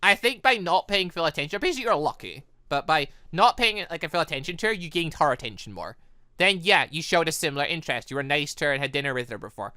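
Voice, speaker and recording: Female let's player, lowish voice with very lively swings, excitable reactions, close dry sound. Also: fast talker, no echo. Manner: animated, exclaiming reactions. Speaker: let's play host. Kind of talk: excitable video game commentary, reading dialogue aloud.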